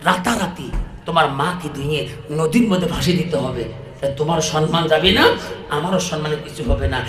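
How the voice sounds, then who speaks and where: A man preaching in Bengali, voicing a cold, calculating young wife in a low, hushed, conspiratorial tone. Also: level tone, fairly quick. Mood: scheming. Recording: echoey preaching venue.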